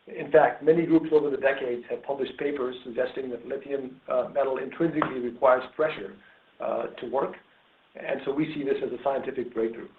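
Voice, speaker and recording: A man speaking as a company executive, answering questions on an earnings call with frequent ums and pauses. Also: mid-range voice. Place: conference call. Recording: narrow phone-like line, roomy echo.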